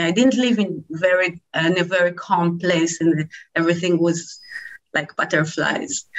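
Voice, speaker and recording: A woman with an Israeli accent speaks at a fairly slow pace and fairly low pitch. Her loudness stays very even, with ordinary pitch variation. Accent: Israeli, non-native English. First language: Hebrew. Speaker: filmmaker. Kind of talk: interview about spiritual awakening. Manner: halting.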